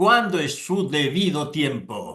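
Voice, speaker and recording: This man has a bright, sharp tone and a fairly high pitch. He speaks at a fairly slow pace. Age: 80s+. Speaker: theosophy lecturer. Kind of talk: lecture.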